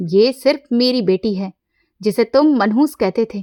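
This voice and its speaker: A woman's put-on character voice, stern in tone and fairly high in pitch, at a moderate pace, in a dry, close sound with no echo. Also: ordinary pitch variation. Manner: stern, cold.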